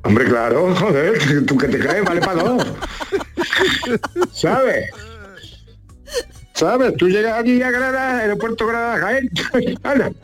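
A man's voice: sits high, lively intonation, slow pace, pauses often, a bit bright, faint music behind. A man grumbling comically in colloquial, rambling chat full of rhetorical questions. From La Mancha, Spain. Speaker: regular radio contributor nicknamed as a judge.

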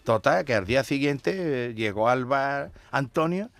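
A man telling comic stories on a radio show, lively and laughing along. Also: mid-range voice, measured pace, dry recording. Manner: lively, laughs at own jokes. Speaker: comedy joke teller on radio.

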